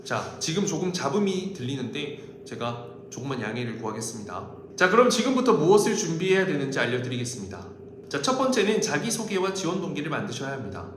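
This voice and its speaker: The recording has a clear room echo and a faint layer of noise. A man speaks to viewers as a coach, polite and explanatory. His intonation is highly animated as he walks through his advice point by point. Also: a little fast. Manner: polite, explanatory, step-by-step delivery. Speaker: job interview coach and host. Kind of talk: instructional talk to viewers.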